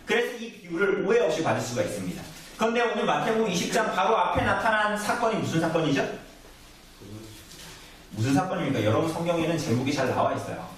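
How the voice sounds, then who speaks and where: A male pastor preaches in a lively, sing-song way, his fairly high voice rising and falling as he quizzes the congregation. The mic is set back from him, and a heavy church echo hangs on every word. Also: fast, far from the mic. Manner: conversational preaching, asks the congregation questions. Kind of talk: sermon. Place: church sanctuary. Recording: echoey church recorded from afar.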